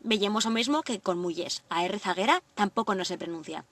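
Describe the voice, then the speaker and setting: A woman presenting a language lesson, reading example words slowly and deliberately. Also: medium pitch, animated, fairly bright tone, dry recording, far from the mic. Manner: clear, deliberate word-by-word reading. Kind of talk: scripted lesson narration.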